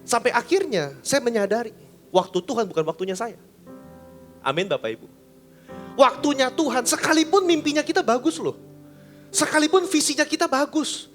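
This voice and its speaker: Male pastor, high-pitched and animated, preaching a colloquial sermon over soft music. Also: moderate pace, long pauses. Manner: lively, colloquial, acts out voices with big swings in pitch and volume. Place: church service.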